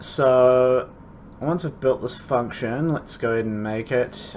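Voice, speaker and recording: Over noticeable background noise, the speaker's intonation sounds lively. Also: man. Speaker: programming tutorial youtuber. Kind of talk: tutorial. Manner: casual, filler-heavy.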